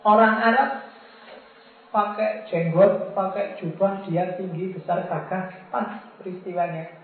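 A man's voice: high-pitched, steady tone, measured pace. A man giving an informal religious lecture, teasing his listeners with playful examples. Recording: tinny, echoey, far from mic.

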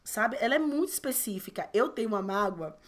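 A woman's voice: medium pitch, lively intonation, a little fast. A woman, chatting casually. She tells stories expressively, laughs often and acts out what others said. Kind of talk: casual chat.

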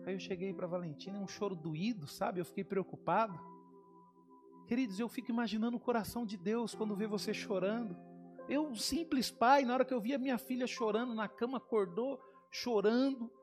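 Brief: fervent male pastor, very high voice, builds to shouting, faint music underneath. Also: a little fast. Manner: fervent, swells to shouting, keeps saying "dear ones". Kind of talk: sermon.

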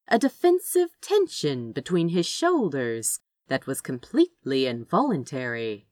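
A woman narrates fiction in a slightly low voice. Her reading is measured and unhurried, with animated rises and falls, and the recording is dry. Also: dry recording. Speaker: audiobook narrator. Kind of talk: expressive scripted fiction narration.

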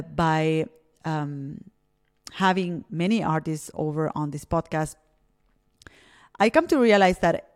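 A woman's voice: low-pitched, a little mellow. A woman from Argentina hosting a solo podcast, speaking reflectively with fillers and restarts. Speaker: podcast host.

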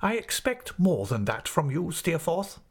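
A man's voice: fairly high pitch, big pitch swings, a little slow, vocal fry, husky, voice pushed up, heavily acted. A man voicing an irascible, pompous school principal in an audiobook, full of sarcastic politeness and whispery menace. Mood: indignant, pompous. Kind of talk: audiobook character acting.

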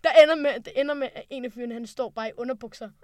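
A young woman chatting casually and hesitantly, with many fillers and restarts. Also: fairly high pitch. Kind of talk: casual chat.

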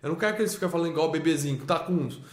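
A Brazilian man with a fairly high voice talks about raising children in a casual, emphatic chat. He keeps repeating points and tacking on little tag questions. The sound carries a clear echo from the room around him. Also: very fast. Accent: Brazilian Portuguese. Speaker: homeschooling father. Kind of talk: casual podcast conversation.

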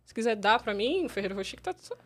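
A woman, a rideshare driver telling stories in a slangy, animated way on a casual podcast. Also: fairly high pitch. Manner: animated, slangy, quick storyteller.

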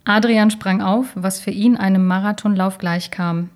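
A woman reading her own short story aloud in a slow, deliberate manner. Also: mid-range voice, fairly even intonation, a little mellow.

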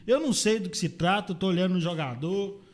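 A man's voice: high-pitched, fast talker. A man, telling stories in a casual chat, full of slang and swearing.

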